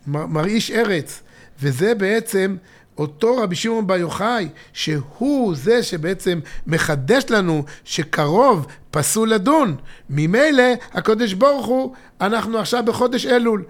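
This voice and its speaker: A middle-aged father teaches religious texts on a podcast in a high, light voice. He presses points with emphasis, then sinks into quiet, intimate tones. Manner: expressive, swinging from emphatic to hushed and intimate.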